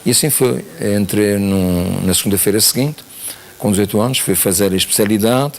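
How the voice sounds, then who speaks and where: A man's voice: lowish voice, fairly quick. A man in his sixties from São in the Azores, telling his life story plainly as a TV interview guest. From São Miguel, Azores. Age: 60s. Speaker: guest, retired army major.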